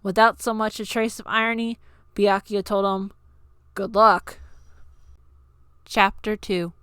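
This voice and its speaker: Clear-voiced woman narrating a story. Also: mid-range voice, level tone, moderate pace, a bit bright, no echo, clean studio sound. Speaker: amateur audiobook reader.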